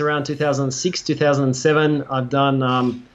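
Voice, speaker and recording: Moderate delivery from a man with an Australian accent. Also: quiet background. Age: 30s. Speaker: blogger and online course creator. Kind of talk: interview.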